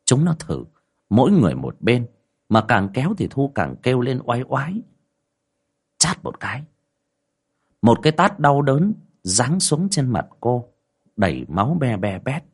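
A man narrating a ghost story in a dramatic, expressive way. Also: mid-range voice, unhurried, pauses often, breathy edge. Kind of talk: scripted horror story narration.

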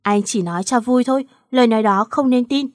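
A woman's voice: a little high, brisk, no room sound, clean studio sound, natural voice. A woman voicing a cold, curt young husband who is also a boss, in a read-aloud story. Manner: curt and dismissive.

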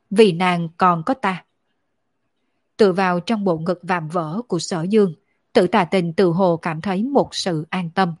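Calm female audiobook narrator. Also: lowish voice, dry recording, clean studio sound. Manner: calm, even storytelling. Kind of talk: scripted narration of a fantasy novel.

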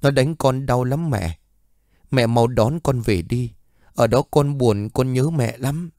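A man's voice: mid-range voice, takes it slowly, mellow, no echo, clean studio sound. A man reading a story and voicing a stranger who claims to be a fallen soldier's spirit, speaking in a pained, pleading way.

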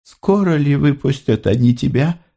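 A man voicing an older working-class mother, proud and plainspoken, his voice raised high. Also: takes it slowly. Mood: aggrieved.

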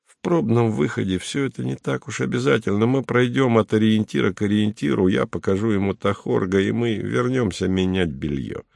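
A man's voice: fairly low pitch, a little fast, creaky, darkish tone, no echo, studio quality. A man doing a gloomy, muttering guide. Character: gloomy, grumpy male hunting guide.

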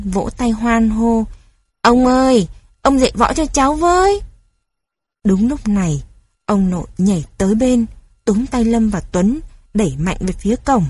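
A woman reading children's stories aloud in a gentle, even storytelling manner. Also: mid-range voice, slightly rough, dry recording.

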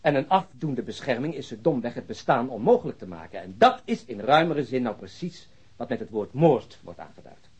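An actor playing a cynical police detective in a radio play, long-winded and mockingly polite. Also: male voice, medium pitch, very animated, brisk, darkish tone, breathy edge. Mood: mocking, bitter. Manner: sardonic, long-winded monologue, mock politeness. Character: cynical, ranting, sarcastic male police detective colleague. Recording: muffled, dull radio play recording.

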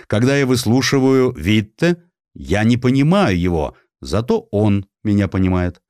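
Man playing petulant tsar, plaintive, declamatory, raised swooping pitch, close dry sound, audio drama. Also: big pitch swings, measured pace, a little mellow, no echo. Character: petulant complaining Tsar Nicholas II.

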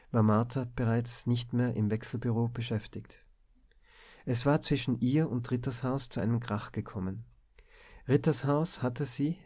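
A man reading a novel aloud in a calm, even storytelling voice at a middle pitch. the recording sounds dull and lo-fi, with the highs rolled off. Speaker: audiobook narrator. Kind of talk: scripted narration of a novel.

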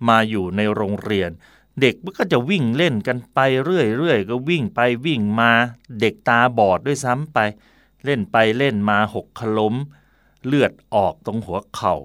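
A middle-aged man from Thailand hosting a radio talk show, telling stories in a lively way and acting out the voices he quotes. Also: mid-range voice, no echo, clean studio sound. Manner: animated storytelling, acts out quoted voices. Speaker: radio host.

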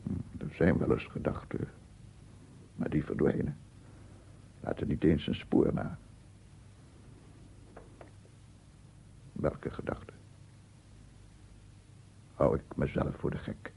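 A male actor playing an embittered, obsessive amateur inventor in a radio drama monologue, husky and halting, swinging between muttering to himself and grandiose declamation. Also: rumbling low, warm tone, a little hiss or hum, exaggerated voice. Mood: wistful muttering. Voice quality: husky, gravelly, often dropping to breathy murmur. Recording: muffled phone-like old radio recording.

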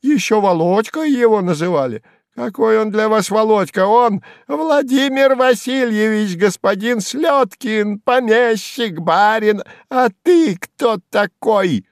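A man voicing a shrill, mocking old hanger-on who chatters and cackles in a squeaky, sing-song voice. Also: animated, takes it slowly, no room sound, clean studio sound, heavily acted. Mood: jeering. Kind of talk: audiobook character voice.

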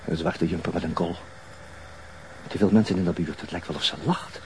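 Actor as a low-voiced, brooding male detective. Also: brisk, natural voice. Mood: brooding, intent. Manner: brooding, terse inner monologue. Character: brooding male detective fixated on a murdered woman. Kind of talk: Dutch radio drama monologue. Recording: very noisy radio drama recording.

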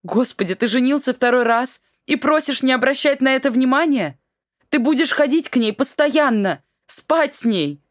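A woman's voice: fairly high pitch, a little fast, dry recording, studio quality, pitched above the performer's own voice, natural voice. A woman voicing a heartbroken middle-aged wife who cries and pleads in a raised voice. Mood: distraught.

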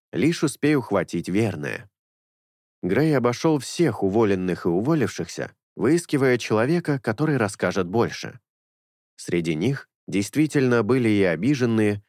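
A man narrating an audiobook in a measured storytelling manner. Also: lowish voice, darkish tone, no room sound, clean studio sound.

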